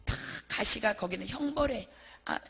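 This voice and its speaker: A woman's voice: fairly high pitch, animated, moderate pace, vocal fry, a bit bright, husky, in a large hall. A woman giving a religious testimony, telling her vision in a vivid, emotional way. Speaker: church testimony speaker.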